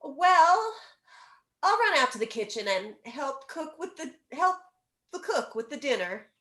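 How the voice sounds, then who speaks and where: A woman playing fussy, high, lively mother. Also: measured pace, roomy sound, exaggerated voice. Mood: flustered. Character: fussy, awkward mother feeling unwanted. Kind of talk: virtual table read of a drama script.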